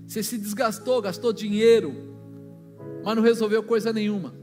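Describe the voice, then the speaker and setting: A man's voice: high-pitched, fairly even intonation, normal speed, mellow. A man with a Brazilian accent preaching a sermon, telling stories in a loose, colloquial way and acting out the dialogue. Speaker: pastor. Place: church. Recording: long church hall reverb with music behind.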